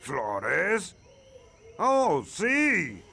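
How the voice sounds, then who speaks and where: A man voicing a gruff, cheerful, dim pirate in a children's cartoon, with a Latin American Spanish accent. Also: sits high, huge pitch swings, extremely slow, sharp tone, exaggerated voice. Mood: jovial.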